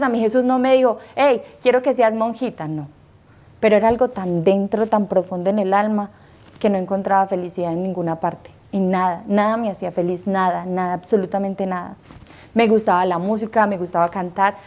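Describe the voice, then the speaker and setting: A woman's voice: medium pitch, darkish tone. A woman in her thirties from Colombia, a nun telling her personal vocation testimony with earnest emotion, acting out her own past words.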